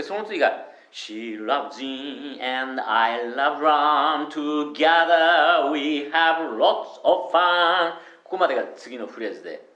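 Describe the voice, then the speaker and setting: A man teaching a song in a chatty, relaxed way, modelling English lines slowly for students to repeat. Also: mid-range voice. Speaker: singing teacher. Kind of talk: vocal lesson with call-and-response. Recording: echoey room with faint music.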